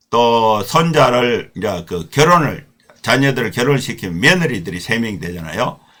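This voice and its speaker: A man's voice has a bright, sharp tone and vocal fry, with very wide pitch swings. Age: 60s. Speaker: pastor. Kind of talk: sermon.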